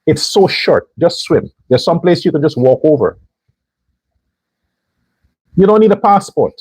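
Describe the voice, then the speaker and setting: A man's voice: a little high, expressive, unhurried, darkish tone, husky, no echo. A man hosting a political commentary show, delivering an emphatic monologue straight to his viewers. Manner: emphatic, talks straight to viewers, mock voices for others.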